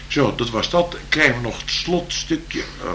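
A man giving a spiritual address with improvised verse, in a measured, solemn, declamatory manner. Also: mid-range voice, animated, bright, forceful tone, slight background noise. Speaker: spiritual speaker.

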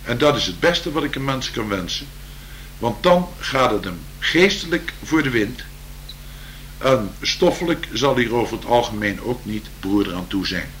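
A man giving a spiritual address with improvised verse, in a measured, solemn, declamatory manner. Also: mid-range voice, animated, a bit bright, a little hiss or hum, poor audio. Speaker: spiritual speaker.

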